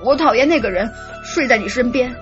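A woman's voice: a little high, lively intonation, brisk, dull audio, over music, lightly acted. A woman doing a tearful, clingy boy spirit. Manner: sobbing, clingy and pleading. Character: tearful, devoted boyish young male spirit. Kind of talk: audiobook dialogue.

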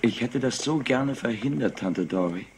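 A man playing a clever, scheming young nephew in a German-dubbed crime drama, excitable and theatrical. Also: mid-range voice, normal speed, heavy background noise, lightly acted. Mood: quiet, regretful.

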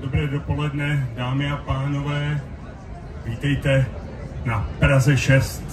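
A man's voice: medium pitch, little pitch movement, a crowd in the background. A man in his seventies giving a brief welcoming speech in short phrases on an open-air festival stage. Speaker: politician. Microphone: stand mic through PA, recorded from audience. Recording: noisy, echoey stage PA from far off.

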